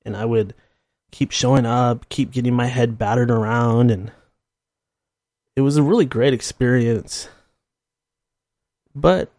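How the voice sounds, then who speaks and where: A man in his thirties talking alone on his podcast, wandering from thought to thought with a self-mocking laugh. His voice sits at an ordinary middle pitch, recorded close and dry with no room sound around him. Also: darkish tone, no room sound. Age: 30s. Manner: rambling, self-deprecating, laughs at himself. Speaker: podcast host. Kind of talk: casual solo monologue.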